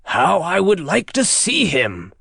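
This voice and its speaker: A man voicing a gentle, fiercely protective giant in a fairy tale, with slow, drawn-out, emphatic words. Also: high-pitched, huge pitch swings, creaky, husky, no room sound, heavily acted. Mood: tender, wistful. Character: gentle giant, male, huge, big-hearted, fiercely protective. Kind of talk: storybook character voice in narrated fairy tale.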